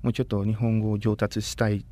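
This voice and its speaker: A man in his thirties from Costa Rica, a native Spanish speaker, talking as a guest in a casual interview. He speaks politely and in a measured way, often pausing to find his words. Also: on the low side, level tone, warm tone. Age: 30s.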